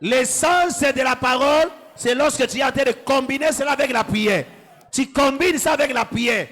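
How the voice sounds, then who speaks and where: Pastor, very high voice, drives the room with repeated shouted commands; echoey church hall. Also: male voice, moderate pace. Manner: repetitive shouted commands and exhortations. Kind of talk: sermon and led prayer.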